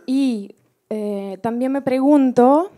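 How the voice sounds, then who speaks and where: A woman's voice: sits high, takes it slowly, warm tone. A woman speaking spontaneously from the audience at a public talk, putting a concern as a parent. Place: auditorium.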